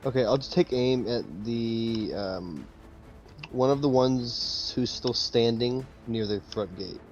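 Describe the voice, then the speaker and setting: A man's voice: mid-range voice, takes it slowly, soft background music. A man chatting casually as a tabletop game player, thinking aloud a little hesitantly, on dull lo-fi audio.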